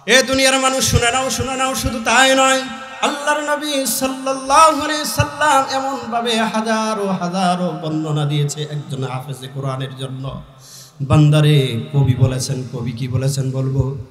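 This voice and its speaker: Male Islamic preacher, Bangladeshi accent, high-pitched, slow declamatory sing-song, fervent exhortation, echoing PA sound. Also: fairly even intonation, fairly bright tone. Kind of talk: fervent Bengali waz sermon with chanted verse and recitation.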